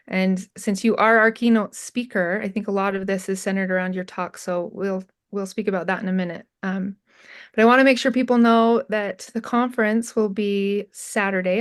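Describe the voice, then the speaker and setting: A woman's voice: mid-range voice, clear, resonant tone. A woman hosting an interview, friendly and upbeat as she announces a conference and asks questions. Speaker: interviewer, event organizer.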